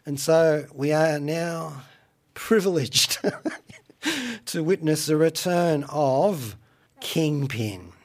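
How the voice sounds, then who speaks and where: A man hosting a radio show, chatting about pop culture in a wry, playful way with theatrical asides and deliberate phrasing. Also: on the high side. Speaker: radio show host and reviewer. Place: radio studio.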